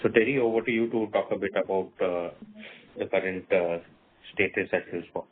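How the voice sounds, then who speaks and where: A man with a fairly low voice speaks as an executive running an earnings call. His explanations are spontaneous and businesslike, heard through a thin telephone connection. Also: brisk, husky. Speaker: company executive leading the call. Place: conference call. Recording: narrowband phone-call audio.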